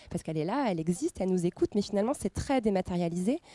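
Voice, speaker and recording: On a very clean recording with a silent background, a woman's dry, close voice with no echo has a medium pitch, lively intonation, and a dark, mellow tone. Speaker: journalist and podcast host. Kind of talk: masterclass talk. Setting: stage with audience. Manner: many hesitations (euh).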